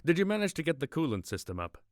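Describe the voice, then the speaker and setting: Middle-aged inventor father, male actor, gruff yet fond, animated delivery, dry studio sound, fantasy audio drama. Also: on the high side, racing, no room sound. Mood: brisk, frustrated. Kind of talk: fan audio drama acting.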